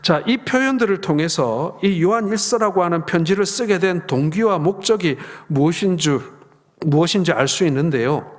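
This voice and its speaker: Middle-aged male pastor, lively storyteller voicing family dialogue, slightly raised pitch, echoing sanctuary. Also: normal speed. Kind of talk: sermon. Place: church sanctuary. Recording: long reverb of a church hall.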